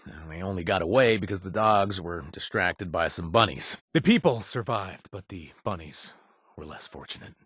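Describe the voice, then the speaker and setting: An actor playing a wry, chatty wasteland informant in a video game, husky, with a hesitant, rambling delivery and joking asides. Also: male voice, low voice, expressive, moderate pace, fairly bright tone, no room sound, clean studio sound, exaggerated voice. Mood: wry, offhand. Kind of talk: video game voice acting, casual spoken tips.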